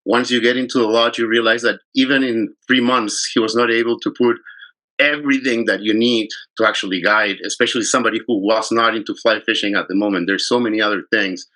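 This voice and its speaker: A man's voice: fairly low pitch, fairly even intonation, quick pace, sharp tone, poor audio. A man, a fly fishing guide telling his story in a casual interview, rambling and often restarting his sentences. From Chile.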